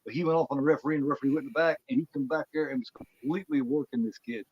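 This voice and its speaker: A man from Indiana, a former wrestler, telling animated, rambling stories as an interview guest and often repeating words. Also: medium pitch, very fast, breathy edge, no echo, highs cut off. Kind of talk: casual storytelling.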